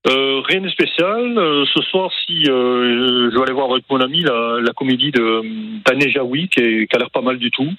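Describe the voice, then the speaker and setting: A man's voice: medium pitch, normal speed, few pauses, noisy background. A retired man from southwest France with a southwestern French accent, calling in to a radio game and chatting hesitantly with many ums. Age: older. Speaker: caller. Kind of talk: phone-in chat.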